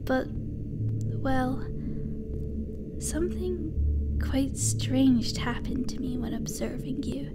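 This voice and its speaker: A woman voicing a cute, possessive alien in a soft roleplay ASMR monologue, speaking formally and haughtily with halting tenderness. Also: high voice. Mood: hesitant, lovestruck. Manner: formal, haughty, halting when confessing feelings. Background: music.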